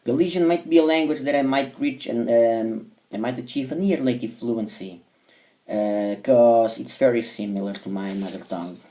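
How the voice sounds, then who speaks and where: Portuguese-accented man, mellow and hesitant. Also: medium pitch, normal speed, distant mic. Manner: hesitant, many fillers and restarts. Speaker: language learner vlogger. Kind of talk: casual monologue to camera.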